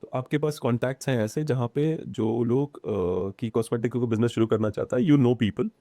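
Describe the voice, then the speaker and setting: Animated, opinionated man with a mellow voice. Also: mid-range voice, normal speed, dry recording. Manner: animated, opinionated, mixes English into speech. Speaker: podcast guest. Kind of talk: casual conversation.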